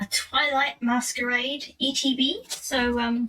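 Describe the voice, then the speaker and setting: This speaker, with a British accent, uses ordinary pitch variation. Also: woman. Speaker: streamer opening trading cards. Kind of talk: casual live-stream chat. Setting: live stream.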